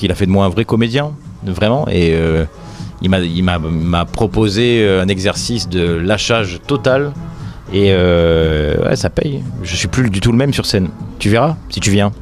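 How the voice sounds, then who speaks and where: A comedian from the French Riviera chatting in an interview, full of fillers and restarts and quick jokes. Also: male voice, lowish voice, darkish tone. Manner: hesitant, many fillers and restarts, jokey. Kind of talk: casual interview chat.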